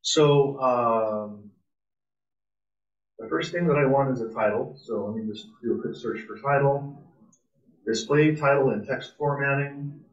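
The man's mid-range voice is unhurried and often pauses as he thinks aloud while typing. He's giving a casual, enthusiastic live coding tutorial at a club meetup, captured with distant, roomy, muffled meeting-room sound.

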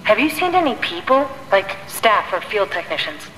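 A woman's voice: medium pitch, sing-song, normal speed, natural voice. An actress playing a composed, inquisitive woman survivor in a video game, talking in a matter-of-fact, questioning way. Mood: calm, curious. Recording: echoey intercom in large hall, faint noise.

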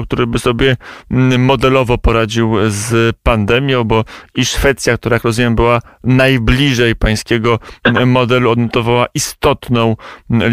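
Smooth, flat-voiced male radio host. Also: medium pitch, dry recording, clean studio sound. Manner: measured, with drawn-out filler hums. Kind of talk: radio interview questions.

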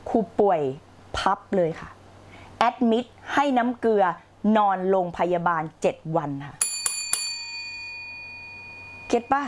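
A middle-aged woman coaching on a live stream, blunt and slangy, acting out her past self with shouted outbursts. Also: mid-range voice, animated, normal speed. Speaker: life coach. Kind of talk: live-streamed motivational talk.

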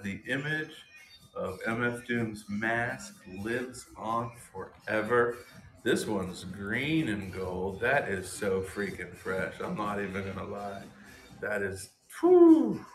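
A man in his thirties, hosting a casual product showcase of hip-hop jewelry and toys, talking with excited, slangy enthusiasm. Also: medium pitch, echoey room, a little hiss or hum. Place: small indoor room with shelves and posters.

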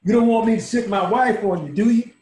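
A man's voice: fast talker, natural voice. An older man reading a monologue as a brash, crude dying man at a bar, over a video call. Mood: brash yelling. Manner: brash, loud outbursts, then low confiding. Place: home room. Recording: echoey video call room.

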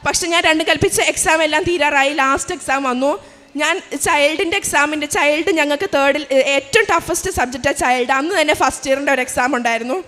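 A woman's voice: high voice, quick pace, a bit bright. A young woman, a nursing student, giving an earnest and emotional personal religious testimony. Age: young adult. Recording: long hall reverb.

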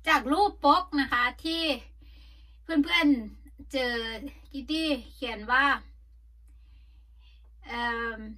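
Isan-accented woman vlogger, middle-aged, high and bright, rambling casual chat from a sauna with coughs. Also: takes it slowly, pauses often. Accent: Isan Thai. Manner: chatty, rambling with frequent coughs.

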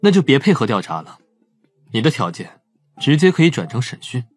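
A man's voice: medium pitch, sing-song, fairly quick, darkish tone, husky, faint music behind. A man voicing a combative police investigator in an audiobook, curt and needling. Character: sharp-tongued, combative male police investigator.

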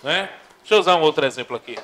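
A male Portuguese teacher giving a lively, joking grammar lesson that poses questions and then answers them. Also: a little high, rapid-fire. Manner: animated, joking, asks himself questions.

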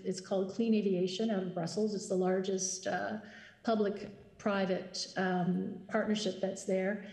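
A woman executive speaks on a panel, her voice mellow and warm at a middle pitch. She talks in a measured way with frequent fillers. The sound is roomy, as in a conference hall. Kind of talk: panel discussion answer. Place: conference stage.

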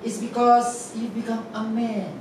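A man's voice: very high voice, flat delivery, a little slow. A man with a Singaporean accent playing a teasing middle-aged trans woman aunt in a staged reading, full of sassy, mocking banter. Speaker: stage actor. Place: theater black-box stage with audience. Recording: roomy theater stage, distant mic, noisy.

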